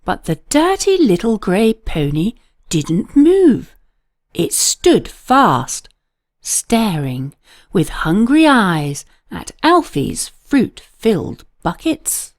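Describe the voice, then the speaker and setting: Slow, animated woman reading a storybook. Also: mid-range voice, no echo, studio quality. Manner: slow, dramatic storytelling with emphatic pauses. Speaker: children's story narrator. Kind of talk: expressive read-aloud storybook narration.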